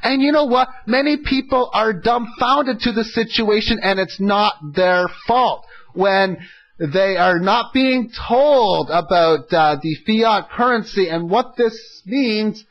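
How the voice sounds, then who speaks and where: A man hosts an informal audio commentary. He speaks emphatically and with clear opinions. He often sets up rhetorical questions and then answers them himself. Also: sits high, slow pace, muffled recording. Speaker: host of an economic audio log.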